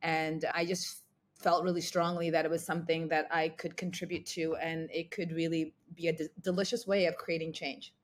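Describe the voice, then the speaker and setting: A woman chef born in Ghana and raised in New York, answering interview questions in a thoughtful, measured way. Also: deep voice, flat delivery, a little hiss or hum. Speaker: chef, guest.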